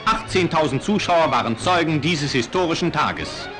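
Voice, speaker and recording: Male old-newsreel announcer, fairly high voice, upbeat and rhythmic, scripted 1950s narration. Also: lively intonation, normal speed. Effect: old newsreel playback. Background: music.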